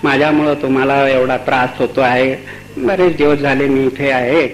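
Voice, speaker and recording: A man voicing a sly male house guest who overstays his welcome, speaking low and humbly. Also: fairly even intonation, normal speed, a little hiss or hum, natural voice, poor audio. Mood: humble.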